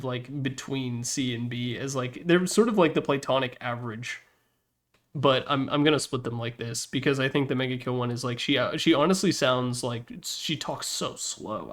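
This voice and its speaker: A man giving casual, rambling ranking commentary in a blunt, sweary, candid manner, recorded in his room on a desktop microphone. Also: mid-range voice. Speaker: host ranking game announcer packs. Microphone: Yeti desktop microphone.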